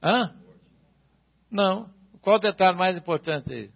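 High husky male preacher. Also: lively intonation, slow, highs cut off. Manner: preaching with repeated rhetorical questions. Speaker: pastor. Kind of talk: sermon.

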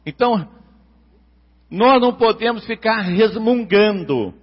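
A man with a Brazilian Portuguese accent preaching a sermon, emphatic, repeating key words and drawing them out slowly. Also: high-pitched, lively intonation. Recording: long hall reverb, dull lo-fi sound.

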